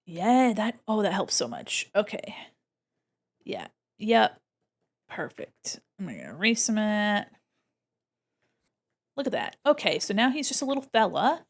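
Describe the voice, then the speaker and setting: A young woman, a VTuber art streamer, chats playfully with viewers while drawing live, giggling often. Her mid-range voice is sing-song and a little slow, with frequent pauses.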